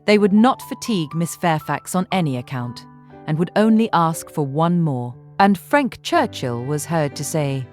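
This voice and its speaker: A woman reading literary narration in a measured, formal way as an audiobook narrator. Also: sits low, very animated, a little mellow, soft background music.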